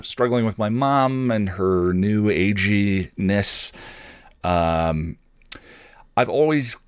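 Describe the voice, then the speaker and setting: A man in his forties hosting a podcast, telling a reflective personal story with hesitant pauses and words drawn out for emphasis. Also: on the low side, no room sound, studio quality. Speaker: podcast host.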